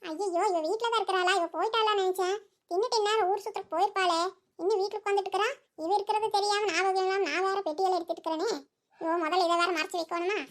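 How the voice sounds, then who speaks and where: A bossy old village mother-in-law in a cartoon, as a woman voices her, who fires off teasing scolds at a breakneck clip. Her voice sits very high and thin, and she barely pauses between jabs. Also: fairly even intonation. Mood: scolding. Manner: teasing and scolding, quick retorts. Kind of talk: cartoon voice acting.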